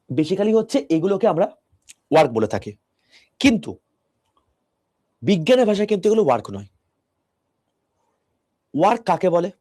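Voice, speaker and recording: A man teaching an online physics class, talking softly into a close mic and explaining step by step with questions to his students. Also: a little high.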